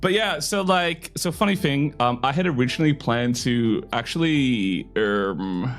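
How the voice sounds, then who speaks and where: Slightly hoarse young man streaming. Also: mid-range voice, expressive, measured pace, soft background music. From Australia. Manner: rambling and self-deprecating, full of fillers. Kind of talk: casual live-stream chat.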